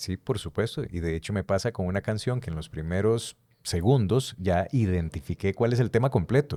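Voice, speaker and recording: In a very clean recording with a silent background, a man's fairly low voice sounds dark and mellow, dry and close with no echo. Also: ordinary pitch variation, moderate pace. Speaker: podcast host. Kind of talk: casual chat.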